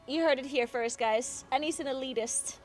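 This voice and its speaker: Woman, game streamer, fairly high voice, relaxed chatty delivery, lots of fillers. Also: normal speed, faint music behind. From South Tyrol, Italy. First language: German. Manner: chatty, answers chat, frequent "like" fillers. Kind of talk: casual chat while gaming.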